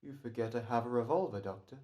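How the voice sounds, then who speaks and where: A man's voice: medium pitch, fast, darkish tone, natural voice. A man playing a stubborn, urbane jewel thief in an old-time radio thriller. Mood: suave defiance.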